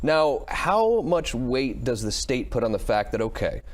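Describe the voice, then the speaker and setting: Talk show host posing legal hypotheticals. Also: male voice, mid-range voice, big pitch swings, measured pace. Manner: conversational, poses hypotheticals and short reactions. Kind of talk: broadcast call-in talk show hosting.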